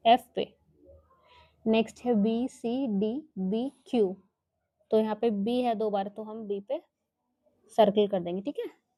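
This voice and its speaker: A woman's voice: on the high side, warm tone, dry recording. A woman teaching children a workbook lesson, explaining each step patiently and often checking with okay, with an Indian English accent.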